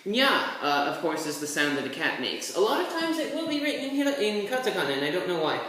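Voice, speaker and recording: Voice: mid-range voice, sing-song, fast talker, fairly bright tone, recorded from a distance. A person giving a laid-back, rambling tutorial while writing characters, with offhand asides. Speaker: language tutor. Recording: very echoey room, voice set back from the mic, faint hiss.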